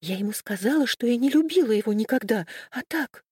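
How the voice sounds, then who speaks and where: A woman's voice: very animated, moderate pace, a little mellow, dry recording, clean studio sound. Woman putting on a whimpering, tearful young woman. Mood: pleading. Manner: high whimpering pleas. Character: pleading tearful young woman, childish and scared.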